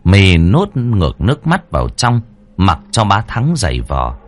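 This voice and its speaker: A male storyteller with a lowish voice that swoops widely through each sentence. He narrates the tale dramatically, with soft music running underneath. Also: measured pace. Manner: expressive, rising and falling delivery. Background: faint background music.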